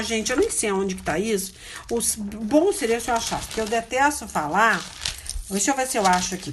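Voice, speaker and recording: Animated woman preaching. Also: mid-range voice, background noise. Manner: chatty, hunts for verses aloud, frequent "né?" tags. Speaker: missionary preacher. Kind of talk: informal sermon.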